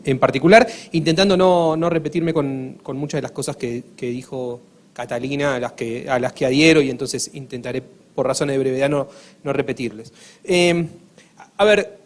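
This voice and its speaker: A man from Argentina with an Argentine accent, speaking earnestly on a panel, with many hesitations and restarts. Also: medium pitch. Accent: Argentine Spanish. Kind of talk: formal panel talk.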